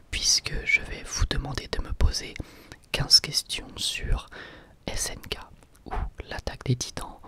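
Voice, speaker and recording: A man hosting a whispered ASMR video, calmly answering viewer questions in a thoughtful, explanatory way. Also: mid-range voice. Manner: soft-spoken, thoughtful and explanatory. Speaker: ASMR channel host.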